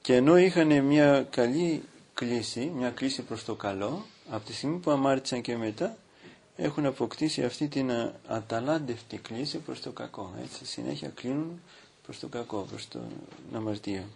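Male priest, sermon delivery, gravelly voice, reads and comments with emphatic pauses. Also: mid-range voice, expressive, darkish tone. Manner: reads aloud from a book, breaking off to comment.

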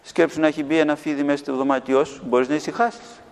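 A man giving a sermon to children. He tells stories in an animated way and asks his listeners questions. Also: on the high side, smooth, big-room sound. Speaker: preacher.

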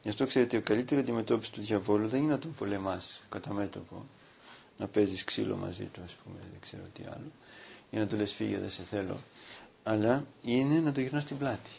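Gravelly, husky priest preaching. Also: male voice, on the low side, a little mellow. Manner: reads aloud from a book, breaking off to comment. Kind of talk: sermon.

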